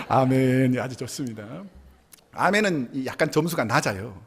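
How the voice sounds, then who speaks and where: A man's voice: mid-range voice, normal speed, husky. A male pastor preaching a Sunday sermon in a church, acting out husband-and-wife exchanges and bantering with the congregation. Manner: animated, acts out spouses' quips, chuckles with congregation. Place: church sanctuary.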